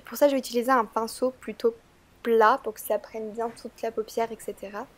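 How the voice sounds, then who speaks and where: A woman's voice: on the high side, steady tone, a little fast. A woman with a cold, talking through a makeup tutorial in a chatty, hesitant way with frequent "euh" fillers. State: stuffy-nosed from a cold. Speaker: beauty vlogger.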